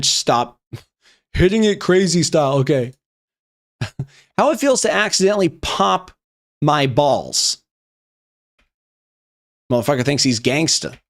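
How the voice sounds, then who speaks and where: A young man with a slightly raised voice reads out memes on a live stream and reacts to each one. He swears freely and laughs as he goes. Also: a little high. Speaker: streamer reviewing viewer memes. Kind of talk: casual live-stream commentary.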